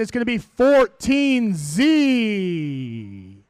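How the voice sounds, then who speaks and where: A man speaks loudly in an animated tone with lively intonation. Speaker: robotics competition emcee. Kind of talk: live event announcing.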